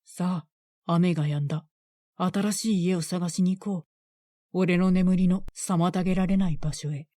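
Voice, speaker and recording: A woman's voice: lowish voice, unhurried, no room sound, studio quality, natural voice. A woman doing a terse, sleepy young man. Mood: calm. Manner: flat, terse, matter-of-fact.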